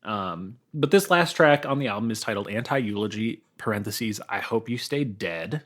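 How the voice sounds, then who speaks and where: A man's voice: on the low side, expressive, moderate pace, fairly bright tone. A man speaking as a podcast guest in a casual discussion of an album.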